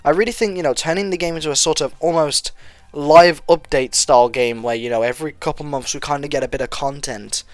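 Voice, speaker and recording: A man's voice: on the high side, fairly quick, no room sound. Young man with a stuffy cold. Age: young adult. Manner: loose, rambling, earnest. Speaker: gaming channel host. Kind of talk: casual opinion vlog.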